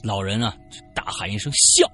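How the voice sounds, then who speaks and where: A man's voice: mid-range voice, sing-song, moderate pace, faint music behind. A man from Qinghai telling a ghost story in a chatty, casual way, turning aside to talk to his listeners. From Qinghai, China.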